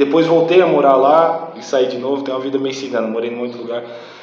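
Speaking very fast in a monotone, flat delivery, a man with a medium-pitched voice is heard amid audible room echo. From São Paulo state, Brazil. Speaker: novelist and video creator; video creator. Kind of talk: casual monologue to camera about his book. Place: home room. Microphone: phone near.

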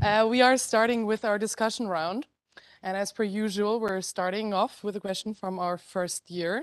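The woman's fairly high voice comes at a moderate pace in a dry sound with no echo. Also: quiet background. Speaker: event moderator. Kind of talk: announcement. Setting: stage with audience. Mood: relaxed, friendly. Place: hall. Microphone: handheld.

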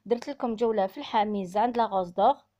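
A woman's voice over a quiet background. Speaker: vlogger touring a shop. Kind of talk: casual vlog chat. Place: shop. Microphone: phone near.

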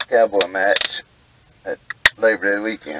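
A man at a very slow pace, dry sound with no echo, noticeable background noise behind him. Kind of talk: casual tutorial vlog chat. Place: open country. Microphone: phone near.

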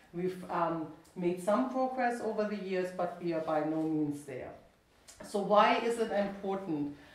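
Audible room echo surrounds a woman talking at a fairly slow pace with ordinary pitch variation. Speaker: climate finance expert. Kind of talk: panel discussion. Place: hall.

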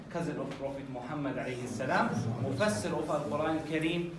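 Over noticeable background noise, a man talks at a fairly quick pace with ordinary pitch variation. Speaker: tour guide. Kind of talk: guided tour explanation. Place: tunnel cave. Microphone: phone near.

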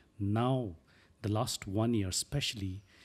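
A somewhat breathy man speaks at a moderate pace and a medium pitch. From India. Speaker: bartender and hotelier; podcast guest. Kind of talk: casual interview. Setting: studio. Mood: warm, reflective. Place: studio. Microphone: studio mic.

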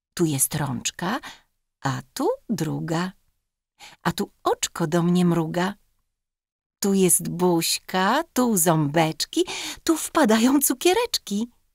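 A woman speaks at a very slow pace with long, frequent pauses in a very clean recording with a silent background. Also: dry, close sound with no echo. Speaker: actress and reader of children's poems. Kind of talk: children's nursery rhyme reading.

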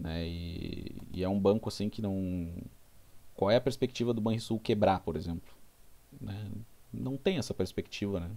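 Leaving long, frequent pauses, a man speaks in a dark, mellow tone at a fairly low pitch. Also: ordinary pitch variation, moderate pace. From Brazil, Rio Grande do Sul. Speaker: investment YouTuber. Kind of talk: casual stock analysis commentary. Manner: hesitant, many fillers. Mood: calm, opinionated. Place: home room.

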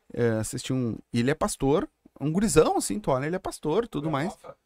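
Delivered at a very fast pace with very wide pitch swings, the speech sounds dry with no echo over light background noise. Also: man. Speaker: podcast host. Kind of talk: casual chat, podcast conversation. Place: studio. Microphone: studio mic.

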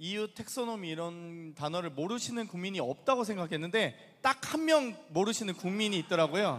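A man uses a raised, projected voice with lively intonation. His pace is moderate. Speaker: politician, co-MC. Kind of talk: talk concert. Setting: stage with audience. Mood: cheerful, smiling. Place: hall. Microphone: handheld.

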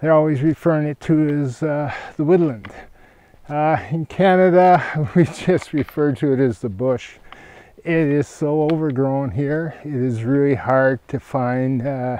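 Recorded with a dry sound and no echo, a man speaks at a fairly slow pace with ordinary pitch variation. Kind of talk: casual vlog chat. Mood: relaxed, amused. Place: forest. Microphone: lapel.

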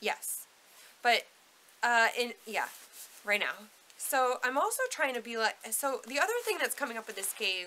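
Pausing long and often, a woman talks at a moderate pace in a high voice with lively intonation. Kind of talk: casual vlog chat. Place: tunnel cave. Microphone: camera far.

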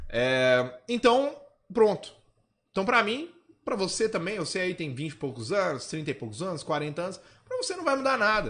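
With very wide pitch swings and an animated tone, a man with a high pitch speaks at a moderate pace. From Brazil. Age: 30s. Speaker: gaming YouTuber and streamer; gaming YouTuber, streamer. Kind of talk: casual opinion commentary video. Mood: opinionated, animated. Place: home room.

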